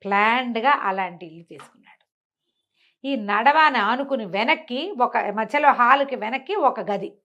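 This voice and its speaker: A woman with a Telugu accent telling a folk tale in an animated, conversational way, posing questions and answering them herself as a storyteller. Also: a little high, moderate pace, muffled recording.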